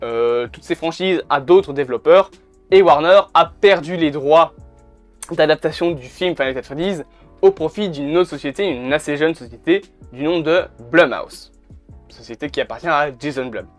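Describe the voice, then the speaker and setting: A slightly high-voiced YouTuber talks at a normal speed in casual, blunt video commentary, swearing occasionally. Faint background music runs under the camera mic recording.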